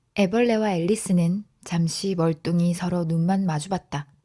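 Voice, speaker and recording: Speaking at a very slow pace, a woman with a fairly low pitch uses a dark, mellow, soothing tone, somewhat breathy and in fairly even intonation. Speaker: audiobook narrator. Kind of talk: children's story audiobook reading. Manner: soft, soothing.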